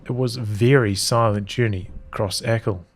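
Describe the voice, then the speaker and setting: Reading aloud from a visual novel's journal entries, this man tells the story steadily in a lowish voice. His phrasing is measured and halting, with frequent pauses.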